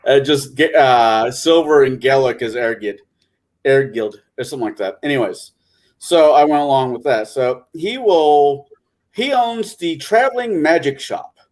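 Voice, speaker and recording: A man's voice: medium pitch, unhurried, darkish tone. A man chatting casually as a game master on a gaming panel, rambling, stumbling and correcting himself. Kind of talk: casual chat.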